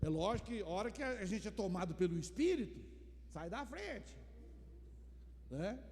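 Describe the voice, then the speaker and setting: Male pastor, high mellow timbre, fervent sermon delivery easing into quiet testimony; church reverb. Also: sing-song, normal speed, slight background noise. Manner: impassioned preaching that drops to soft storytelling. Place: church sanctuary. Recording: long reverb of a church hall.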